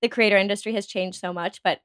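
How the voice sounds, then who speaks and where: A woman's voice: mid-range voice, steady tone, quick pace, a bit bright. A woman hosting a podcast, talking with gushing enthusiasm and lots of "like" while getting over a cold. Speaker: podcast host. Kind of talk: upbeat podcast intro and chat.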